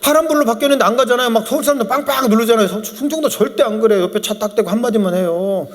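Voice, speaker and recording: Animated high-voiced man lecturing in a hall. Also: rapid-fire. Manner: lively, joking, acts out dialect quotes. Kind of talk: humorous sales lecture to an audience. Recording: long hall reverb.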